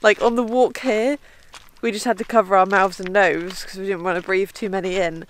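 A woman's voice: medium pitch, fairly even intonation, brisk, slight background noise. A young woman narrating a road-trip vlog, enthusiastic and repeating words for emphasis. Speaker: travel vlogger.

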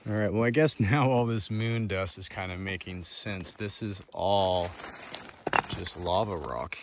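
A man in his thirties vlogging a fishing road trip, thinking aloud in a relaxed, easygoing way with frequent fillers, filmed on a handheld camera outdoors and in a truck. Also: deep voice, a little slow. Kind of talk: casual outdoor vlog narration. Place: outdoors on a lake and in a truck cab. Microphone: action camera or phone held close. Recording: loud wind and engine noise.

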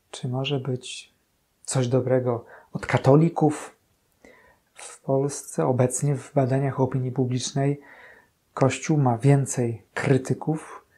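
A priest in his thirties giving a calm, earnest gospel commentary in a small chapel room. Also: medium pitch, gravelly, slightly rough. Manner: calm, earnest, slow-paced reflection. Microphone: fixed camera, medium shot.

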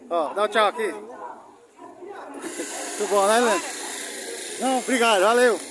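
A man with a high-pitched voice and a measured pace vlogs casually as he strolls a busy outdoor street market, chatting, greeting passers-by, and joking with them. Crowd noise and market chatter fill the background.

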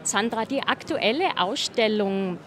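A woman's voice: mid-range voice, unhurried, crowd noise. A woman in her thirties hosting an interview outdoors at a street festival, speaking into a handheld mic. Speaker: host. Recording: street noise behind.

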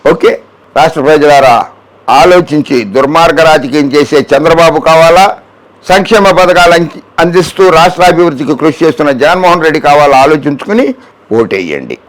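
Sarcastic high-voiced male news commentator. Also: a little fast. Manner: sarcastic, mocking, scolding a politician directly.

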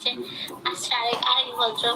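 A woman's voice: on the high side, flat delivery, moderate pace, noisy background. A woman chatting casually as host of a live stream, talking directly to her viewers. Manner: chatty, addresses viewers by name. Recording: loud music over the voice. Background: loud music.

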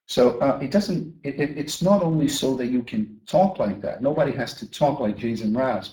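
A Brazilian man with a medium-pitched voice trains teachers in a lively conference talk, often asking the audience questions and repeating words as he restarts. The room is echoey.

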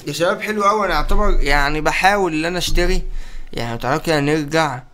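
A rapid, excitable man with an Egyptian Arabic accent narrating his game as a channel host. He hurries his words and keeps calling out to his viewers. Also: a little high. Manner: excitable, urgent, calls out to viewers. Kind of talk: let's-play commentary.

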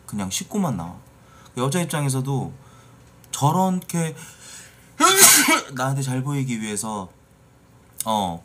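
A man's voice: medium pitch, a little hiss or hum. A man in his late thirties chatting casually on a live stream, bluntly teasing and swearing at his viewers from a small green-screen room. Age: 30s. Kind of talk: casual live-stream chat reacting to videos.

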